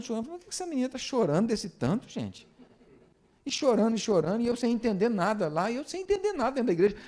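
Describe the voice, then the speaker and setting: A man's voice: very high-pitched, a little mellow. A man, preaching a sermon in church and asking the congregation rhetorical questions. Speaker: pastor. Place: church service.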